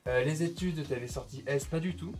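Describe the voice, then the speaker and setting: A young man with a Swiss French accent chatting casually on a blind date, hesitant and full of filler pauses. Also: fairly high pitch, darkish tone, faint music behind. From Switzerland. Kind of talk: casual chat.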